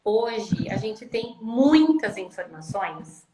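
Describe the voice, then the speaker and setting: A woman's voice: on the high side, expressive, slow, over loud music. A woman speech therapist talking about parenting on a live stream over a video call, emphatic and repeating phrases for stress. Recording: echoey room with loud background noise.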